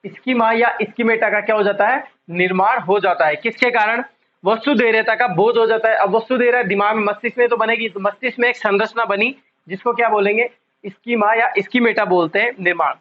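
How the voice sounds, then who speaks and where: A man's voice: high voice, narrow, tinny audio. A male psychology teacher giving an online exam-prep lecture, repeating key terms and quizzing the class often, drawing out the important words. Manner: drawn-out emphasis on key words.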